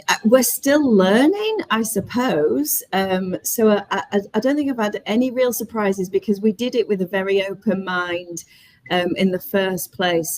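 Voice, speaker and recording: A woman's voice: medium pitch, darkish tone, no room sound, poor audio. A woman workspace operator talking casually and reflectively as a webinar panellist.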